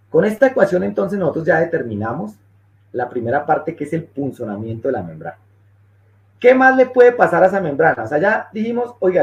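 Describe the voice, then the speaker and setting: A male engineering instructor with a medium-pitched, fry-tinged voice gives a technical webinar lecture, explaining step by step. He checks in often with his listeners, frequently asking "¿listo?", and the audio is muffled and lo-fi.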